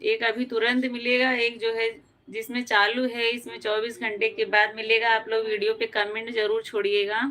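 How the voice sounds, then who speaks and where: A woman's voice: a little high, level tone, normal speed, few pauses, bright, forceful tone. A woman from Uttar Pradesh hosting a live stream, chatting casually, greeting viewers by name and answering their comments. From Uttar Pradesh, India.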